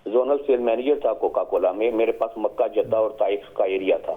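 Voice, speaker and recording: A man's voice: fairly low pitch, husky. A middle-aged man from Pakistan, calling in to a show and speaking hesitantly with many fillers and English words. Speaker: caller. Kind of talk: phone-in call to a TV show. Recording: tinny phone line.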